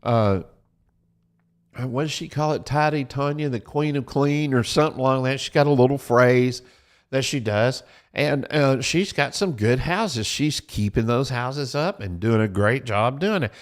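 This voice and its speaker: A man's voice: medium pitch, unhurried. A man hosting a Christian show, giving practical advice in a folksy, repetitive, preaching style and urging listeners to write things down.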